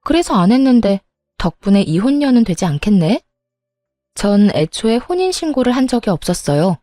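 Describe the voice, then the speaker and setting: A woman's voice: medium pitch, sing-song, normal speed, warm tone, dry recording, faint music behind. A woman narrating her own story in the first person, speaking coldly and cuttingly.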